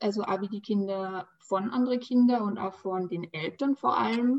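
In a Salzburg accent, a woman speaks at fairly high pitch with ordinary pitch variation. Her pace is moderate. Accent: Salzburg Austrian German. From Austria, Salzburg region (rural village). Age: 20s. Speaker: student. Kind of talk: casual chat.

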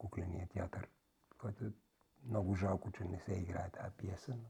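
Somewhat breathy and dark, mellow in tone, a man speaks at a moderate pace with a fairly low pitch. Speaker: puppet maker. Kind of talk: casual chat. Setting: workshop.

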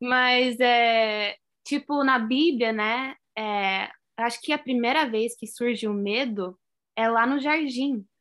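A woman with an English accent speaks very slowly in a high voice, her pitch varying in an ordinary way over a quiet background. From Canada. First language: English (speaking Portuguese). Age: 20s. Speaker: guest. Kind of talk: casual chat.

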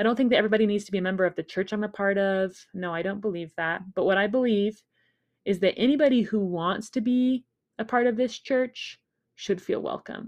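Against a quiet background, a woman speaks at a medium pitch and fairly quick pace with ordinary pitch variation. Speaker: podcast host. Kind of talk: casual monologue. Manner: awkward pauses.

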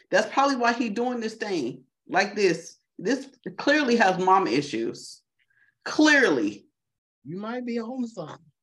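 With vocal fry, a fairly high-pitched woman speaks at a fairly slow pace, with very wide pitch swings and long, frequent pauses. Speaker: podcast host.

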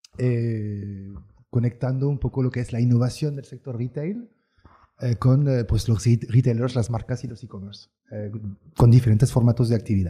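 Speaking with a French accent, this man has a somewhat breathy voice, a dark, mellow tone and a medium pitch. His intonation is fairly even at a moderate pace, on a very clean recording with a silent background. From France. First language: French (speaking Spanish). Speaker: e-commerce expert. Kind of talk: casual chat. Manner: halting.

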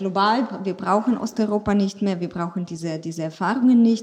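A woman at medium pitch with a Ukrainian accent, fairly even intonation and a moderate pace, over noticeable background noise. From western Ukraine. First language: Ukrainian (speaking German). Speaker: Eastern Europe expert. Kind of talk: panel discussion.

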